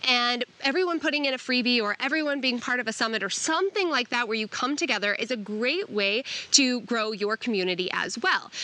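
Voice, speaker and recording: Lively intonation and an animated tone carry the speech at a fairly quick pace over noticeable background noise. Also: woman. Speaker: marketing coach and YouTuber. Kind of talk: tutorial. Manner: fast.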